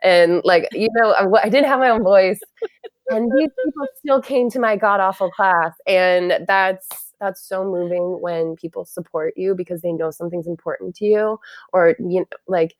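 A woman's voice: mid-range voice, moderate pace, dry recording. A woman who is a guest yoga teacher, speaking candidly and bluntly in a casual conversation. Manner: candid, blunt, lots of fillers.

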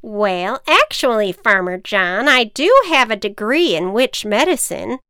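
A woman's voice: mid-range voice, lively intonation, measured pace, bright, forceful tone, clean tone, dry recording, studio quality. Woman doing a know-it-all wicked witch healer. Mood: bossy, matter-of-fact. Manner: confident, matter-of-fact diagnoses.

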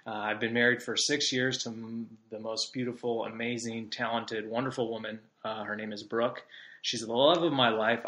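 A man's voice: on the low side, sharp tone, reverberant. A man of about thirty from Southern California, hosting a podcast in a chatty, rambling monologue with many fillers. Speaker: podcast host. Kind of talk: casual monologue.

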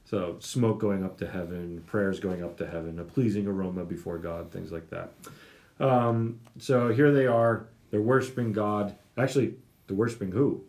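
A man's voice: sits low, normal speed, darkish tone. A young man hosting a casual Bible study chat, explaining a passage with many fillers and restarts. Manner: chatty, lots of fillers and restarts. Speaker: Bible study podcast host.

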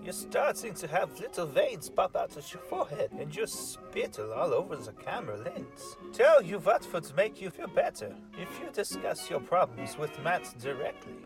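A man hosts a comedy interview in a strikingly high-pitched voice that swoops up and down. He banters in a showy, mock-formal way, and music plays clearly behind him. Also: very animated, moderate pace, few pauses, low-quality recording. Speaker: comedy podcast host.

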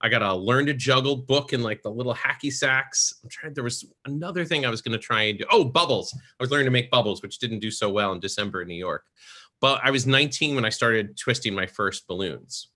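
Bright-voiced chatty man. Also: medium pitch, fairly quick. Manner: chatty, animated storyteller. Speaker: guest, professional Santa performer. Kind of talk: storytelling in a podcast interview.

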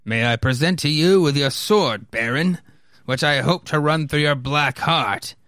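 A man's voice: fairly high pitch, a little slow, fairly bright tone, dry recording, studio quality. A man voicing earnest, commanding military officers in stiff, declamatory read-aloud story dialogue. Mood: defiant.

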